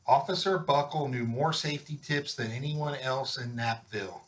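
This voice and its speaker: A man's voice: mid-range voice, normal speed, fairly bright tone, rough recording. Man reading a children's picture book aloud. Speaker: volunteer story reader.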